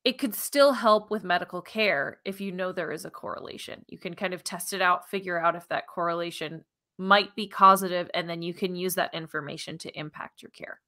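A woman, co-hosting a science podcast in an animated, informal, emphatic conversational way. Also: fairly low pitch, a little fast. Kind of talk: conversational science news presentation. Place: small furnished room at home, indoors. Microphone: video call, wearing headphones.

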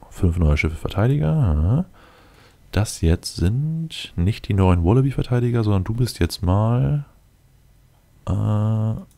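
A man provides relaxed gameplay commentary in a voice on the low side, dark in tone and edged with vocal fry. He thinks out loud, mutters to himself and speaks directly to his units.

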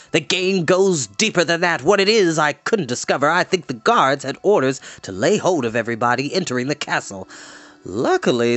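A performer voicing an excitable, indignant male bard in a storybook, speaking in a theatrical, exclamatory way. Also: mid-range voice, no room sound, natural voice. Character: excitable, dramatic wandering bard, a man, indignant and anxious.

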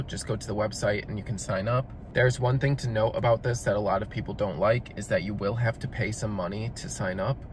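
Low-voiced male vlogger, straight matter-of-fact voice-over, faint hiss behind. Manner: matter-of-fact, step-by-step explaining. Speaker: delivery driver vlogger. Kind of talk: narrated voice-over review.

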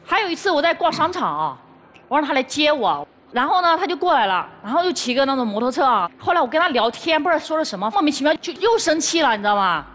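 A woman's voice: high-pitched, sing-song, fairly bright tone. A young woman guest on a dating-conflict TV show, complaining indignantly about her partner and cutting in on him. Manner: fast, indignant, cuts in. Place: TV studio stage.

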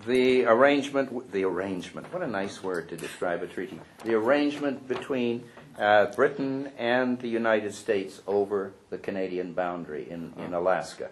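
A man's voice: on the low side, moderate pace, slight background noise. A man at a panel talking through an old newspaper spread, with dry, wry asides and a few hesitant restarts. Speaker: panel speaker. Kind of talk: commenting on a historical newspaper spread.

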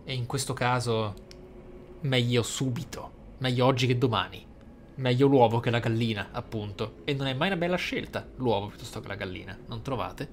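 A man's voice: mid-range voice, moderate pace. Reflective man narrating a game. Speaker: gaming video host. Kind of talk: role-play game commentary, some reading aloud of in-game text. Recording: faint noise and game ambience.

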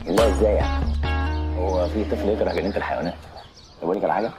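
Cocky Egyptian tough guy, forties, male actor, lowish voice, machine-gun patter, sardonic comic film delivery. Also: racing, music in the background, natural voice. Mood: reflective, joking. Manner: teasing, sardonic. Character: cocky, wisecracking tough charmer. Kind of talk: comic screen acting.

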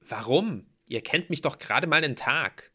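A man's voice: on the high side, lively intonation, sharp tone, breathy edge, voice pushed up, exaggerated voice. A man reading aloud and voicing a nervous teenage boy, talking shakily and in a hurry. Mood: urgent. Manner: shaky, hurried.

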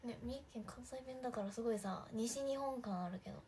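A woman's voice: on the high side, a little fast, mellow, slight background noise. A young woman chatting casually on a livestream, giggling often and talking to viewers' comments. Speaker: idol livestream host.

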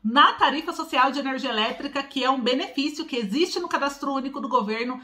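High, pushed and bright, the voice belongs to a forty-something woman from São Paulo, Brazil, who runs a news vlog from a small room in her home. She talks fast, straight to camera, with a rolled-R Paulista accent and drawn-out emphasis on key words.

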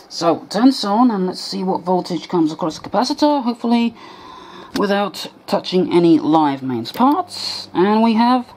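A woman's voice: mid-range voice, warm tone, a little hiss or hum. A woman narrating a hands-on repair in an explanatory, step-by-step manner, as a vlogger. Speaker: vlogger repairing vintage electronics. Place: indoor home workshop.

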